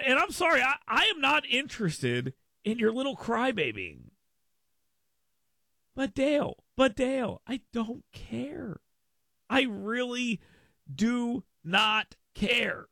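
A brash man hosting talk radio, his voice high and gravelly. He riffs sarcastically and mocks, his tone bright and sharp. The sound is close and dry. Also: sing-song, takes it slowly, long pauses, no room sound. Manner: brash, sarcastic, riffing and mocking. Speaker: radio talk show host. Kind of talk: talk radio monologue with live read ad.

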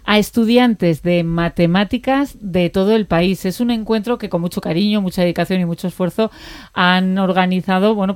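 A woman presents the news in a smooth, slightly low voice. She sounds measured and conversational. The sound is dry and close. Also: darkish tone, dry recording.

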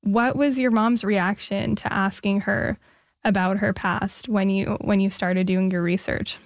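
A woman's voice: medium pitch, steady tone, measured pace, no room sound. Woman host in dry studio sound. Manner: friendly, conversational with some fillers. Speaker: radio host. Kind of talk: interview.

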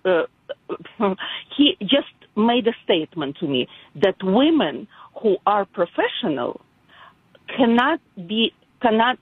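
An older woman born in Ukraine with an Eastern European accent, calling into a radio show and speaking haltingly with many fillers. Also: medium pitch, husky, no echo. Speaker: radio caller. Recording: tinny phone line on old radio broadcast.

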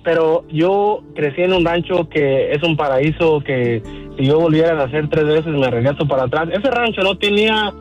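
A man's voice: a little high, moderate pace, highs cut off, faint music behind. A middle-aged Mexican man with a Mexican accent, chatting as a radio guest in a folksy way with many fillers. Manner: warm, folksy, lots of fillers. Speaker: guest, car dealer. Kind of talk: casual radio interview.

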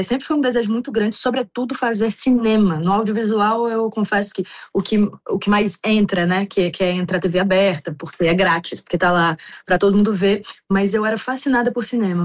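Young actress from bahia in an interview, thinks out loud, lots of restarts. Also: female voice, mid-range voice, fairly even intonation, normal speed. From Bahia, Brazil. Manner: reflective, many restarts and fillers. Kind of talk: casual interview answers.

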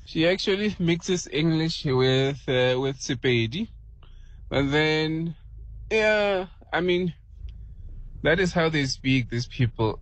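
A woman's voice: low-pitched, lively intonation, takes it slowly, dry recording. A woman phoning a radio show, amused and laughing about her daughter. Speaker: caller, mother.

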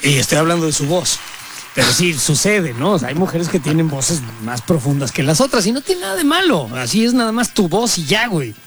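A man's voice: a little high, sing-song, brisk, a crowd in the background. A man in his fifties with a Mexican accent, hosting crude comedic radio banter in a casual, slangy way. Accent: Mexican Spanish. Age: 50s. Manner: casual, swearing, slangy, laughing. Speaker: radio show host.

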